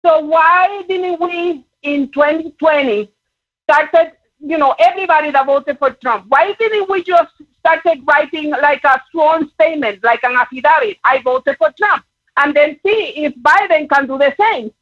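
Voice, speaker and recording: A woman with a Puerto Rican accent calling in to a talk show, speaking earnestly with halting pauses. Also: high voice, no room sound. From Puerto Rico. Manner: earnest, halting, many fillers. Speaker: caller. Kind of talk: call-in chat. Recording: dull phone line.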